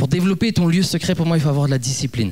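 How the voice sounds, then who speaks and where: A man speaks at a very fast pace in a fairly high pitch. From abroad, outside France. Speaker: youth pastor. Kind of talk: sermon. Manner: halting, with repetitions.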